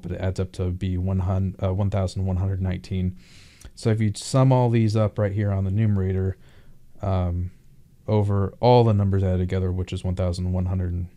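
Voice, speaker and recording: A man tutoring informally through a worked math problem, thinking aloud in a halting way. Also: low-pitched, mellow.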